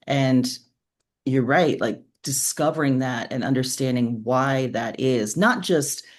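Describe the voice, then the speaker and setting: A woman talks as an interviewed author in relaxed conversational language. She reflects as she explains, stacking up examples and layering one point on the next. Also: very deep voice, takes it slowly.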